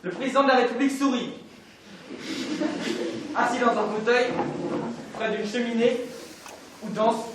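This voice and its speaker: A young man narrating a scene on a school stage in a measured, descriptive way. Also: very high-pitched, steady tone. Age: teenage. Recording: echoey hall from far off, faint noise.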